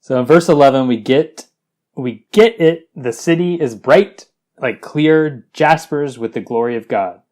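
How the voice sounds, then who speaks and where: A man's voice: mid-range voice, unhurried, a little mellow. A man co-hosting a comedic podcast, quipping sarcastically and laughing often. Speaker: podcast co-host. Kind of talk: casual comedic chat.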